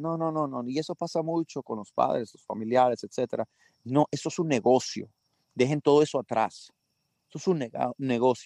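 Dry and close with no echo, a man's fairly high voice has a dark, mellow tone, ordinary pitch variation, and a moderate pace. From United States, raised from age two; born in Venezuela. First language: English (speaking Spanish). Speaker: music industry lawyer. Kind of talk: casual interview chat.

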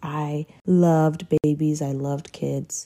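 A woman's voice sits at a very deep, low pitch. Her tone is dark and mellow. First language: Portuguese. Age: 30s. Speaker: podcast host, cosmetologist. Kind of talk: solo casual monologue. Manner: casual, conversational.

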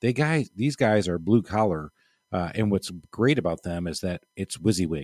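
This man has a plain, everyday voice, fairly low in pitch, with lively intonation at a moderate pace. The sound is dry and close with no echo, on a very clean recording with a silent background. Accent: American. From Michigan. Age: 50s. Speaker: business owner. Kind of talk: casual chat.

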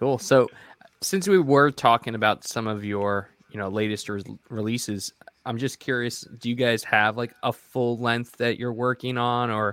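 At a moderate pace, a man with a plain, everyday voice speaks at medium pitch in a dry, close sound with no echo. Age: 30s. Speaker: hockey podcast host. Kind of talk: casual chat. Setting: video call.

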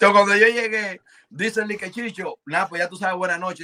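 Talking at a very fast pace, a man uses a raised, projected voice. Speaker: comedian. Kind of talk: casual chat.

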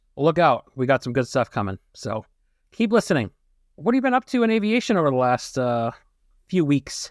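Speaking at a fairly quick pace with a Minnesotan accent, a man with a fairly high pitch makes very wide pitch swings, the sound dry and close with no echo. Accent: Minnesota. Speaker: podcast host and pilot. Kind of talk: casual chat; ad read.

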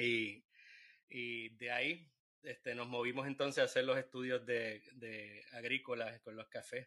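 A bright, sharp tone in a Puerto Rican accent, with monotone, flat intonation, a fairly slow pace and big swings in loudness. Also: man, medium pitch for a man. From Puerto Rico. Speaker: biologist. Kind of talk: interview conversation.

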